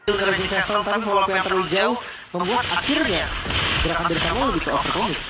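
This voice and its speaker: A man's voice: high voice, fast, heavy background noise. A man giving casual, analytical commentary as an esports co-caster.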